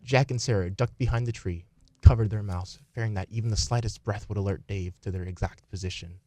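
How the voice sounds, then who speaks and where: A man's voice: fairly low pitch, brisk, dark tone, dry recording, soft background music. A man reading scripted story narration as the narrator of a radio play.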